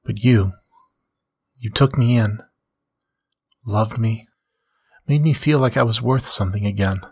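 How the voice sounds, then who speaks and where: A man voicing a young female feline character who speaks softly and earnestly, in a raised, husky voice. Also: fairly low pitch, a little slow, exaggerated voice. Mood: tender farewell. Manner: soft, earnest, heartfelt. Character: tender young female feline, loving and sad.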